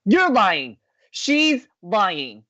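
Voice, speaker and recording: An actress playing a skeptical, exasperated young college radio co-host in an audio drama, curt and scolding. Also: female voice, medium pitch, big pitch swings, extremely slow, pushed and bright, highs cut off, slight background noise, heavily acted. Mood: exasperated, accusing.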